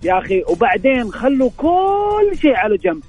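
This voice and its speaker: Hoarse excited caller. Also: male voice, extremely high pitch, a little fast, soft background music. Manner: excited, emphatic, swears oaths. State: hoarse, voice nearly gone.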